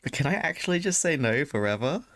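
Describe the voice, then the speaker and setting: A man's voice: a little high, sing-song, fast talker, gravelly, a bit bright, no echo. A man doing casual, reactive let's play commentary, talking back to the game in a wry, conversational way. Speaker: let's player, streamer.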